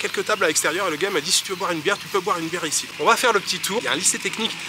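A man speaks very fast in a high pitch, with lively intonation and an animated tone. The sound is dry with no echo, and there is noticeable background noise. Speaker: travel vlogger. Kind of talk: travel vlog narration. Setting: outdoors. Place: garden. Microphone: phone near.

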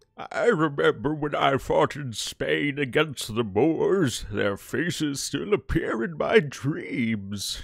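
Using a put-on character voice pitched fairly high, a man speaks at a very slow pace with hardly any pauses.

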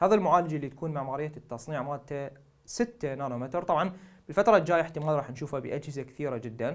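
Pitch shifts in an ordinary way. The speech is delivered at a very fast pace. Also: man. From Iraq. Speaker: tech reviewer. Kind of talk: product review. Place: studio. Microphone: lapel.

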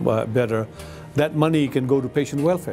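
A man speaks fairly quickly while clear music sounds behind him. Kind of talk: interview answer. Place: meeting room. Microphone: lapel.

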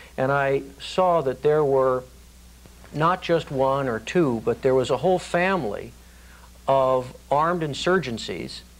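A man's fairly slow speech with lively intonation. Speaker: interview guest. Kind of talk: interview answer. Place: studio. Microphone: lapel.

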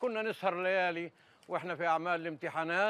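A high-pitched man with a bright, sharp tone talks at a moderate pace over light background noise. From Palestine, West Bank (Anabta, Tulkarm area); Palestine. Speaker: retired Arabic teacher. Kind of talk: interview, life story.

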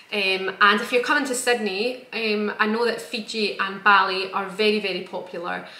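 A woman with a Scottish accent at a moderate pace, fairly even intonation, hardly any pauses, and audible room echo. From Scotland. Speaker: vlogger. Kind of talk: casual Q&A vlog monologue. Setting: at home. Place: home room.

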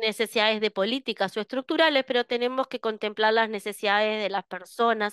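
Against a quiet background, a woman's medium-pitched voice carries fairly even intonation, with a dry sound and no echo. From Finland. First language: Finnish (speaking Spanish). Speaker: vocational training expert; presenter. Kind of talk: webinar presentation; answering audience questions. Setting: video call. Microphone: headset.

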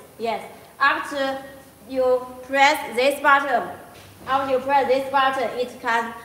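Amid audible room echo, a woman with a Chinese accent speaks fairly slowly in a high voice. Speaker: sales manager. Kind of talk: product demonstration. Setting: live stream. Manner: halting. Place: factory. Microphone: handheld.

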